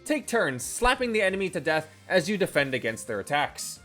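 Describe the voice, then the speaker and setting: An animated reviewer narrates a scripted video with lively swings in pitch and a tongue-in-cheek tone. The voice sits at a medium pitch, with music playing faintly underneath. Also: brisk. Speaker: video game reviewer, channel host. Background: faint background music.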